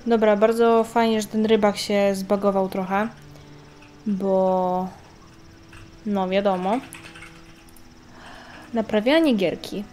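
A woman's voice: medium pitch, fairly even intonation, takes it slowly, pauses often, dark tone, soft background music. A woman giving casual gameplay commentary as a let's player.

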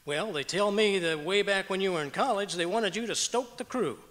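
A man's voice: sits high, fairly quick, a bit bright. A man playing a boastful, bumbling, cheerful husband with folksy wisecracks in 1940s radio comedy style. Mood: wisecracking. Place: auditorium stage, live performance. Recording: reverberant auditorium stage.

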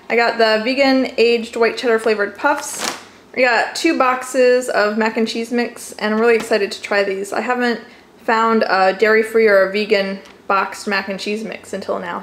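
A young adult American woman narrating a casual, chatty home vlog from her kitchen, recorded on a camera mic. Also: a little high. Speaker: home vlogger showing groceries. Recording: clearly noisy home camera audio.

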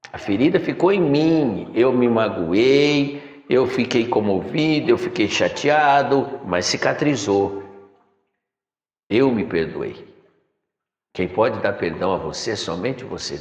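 Speaking in a lowish, darkish voice with vocal fry, a middle-aged man gives a preachy spiritual lecture from a chair in a decorated room, addressing listeners as "my son." The muffled audio comes from a distant camera in a room with long, echoing reverb.

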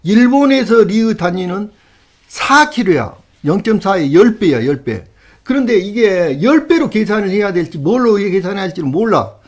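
A man's voice: sits high, sing-song. A man reading old records aloud and breaking off to argue with them, incredulous and emphatic. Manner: incredulous, argumentative, quick rises to loud emphasis. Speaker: history channel host.

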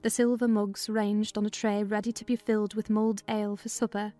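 A woman's voice: medium pitch, level tone, brisk, mellow, soft background music. A woman narrating a classic novel as a scripted, dramatized audiobook reading.

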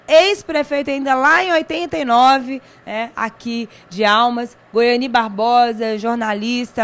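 A young Brazilian woman with a fairly high voice presents an on-camera interview. She speaks as a TV reporter into a handheld microphone. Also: a little hiss or hum. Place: small indoor TV interview set.

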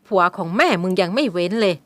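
A woman's voice: mid-range voice, big pitch swings, normal speed, no room sound, natural voice. Woman doing coarse scolding middle-aged mom, contemptuous, dry close voice. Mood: scornful. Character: harsh drunken middle-aged mother, scornful.

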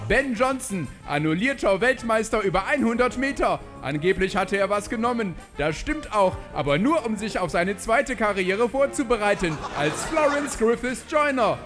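A man reads a scripted comedy segment like a straight-faced announcer. His voice is high. Bright music plays beneath him. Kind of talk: scripted comic voice-over.

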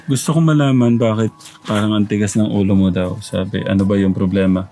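A Filipino man who visits a family as a vlogger, asking gentle questions and humming along in assent. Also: fairly low pitch, fairly quick. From Philippines. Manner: calm questioning with soft hums of assent. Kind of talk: casual interview. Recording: music under the voice.

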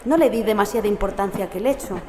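A woman reads a horror tale as its uneasy first-person narrator in a dramatic audiobook style, lightly acted. Her medium-pitched, warm voice moves fast yet stays measured, over echoey, clearly audible metro train ambience.

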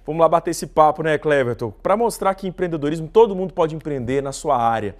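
A man in his thirties, a news anchor, presenting in a TV studio with measured scripted delivery. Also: fairly high pitch, animated.

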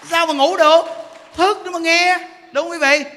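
A man, a Buddhist monk giving a sermon in a lively, joking way and often asking his listeners "right?". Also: extremely high pitch, moderate pace. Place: temple lecture hall. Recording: reverberant hall with faint background noise.

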